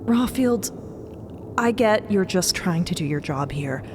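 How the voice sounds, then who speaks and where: A woman's voice: medium pitch, expressive, unhurried, background noise, close to an everyday voice. A woman playing an eager, coaxing spaceship navigator in an audio drama, speaking casually and persuasively. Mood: coaxing, determined. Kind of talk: audio drama with shared narration.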